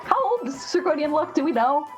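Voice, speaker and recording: A woman with a somewhat high voice bantering at a game table. She chats loosely and jokes in and out of character. Faint music sits in the background. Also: very animated, brisk, a little mellow, low-quality recording. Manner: chatty, playful banter. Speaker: player. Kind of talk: casual tabletop role-play.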